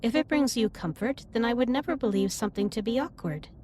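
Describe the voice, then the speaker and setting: A woman playing a caring alien starship captain in a sci-fi audio drama, speaking formally and in measured phrases with gentle reassurance. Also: on the high side, lively intonation, slight background noise, lightly acted. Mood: gentle, reassuring. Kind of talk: scripted roleplay audio drama, intimate comforting monologue. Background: ambient music.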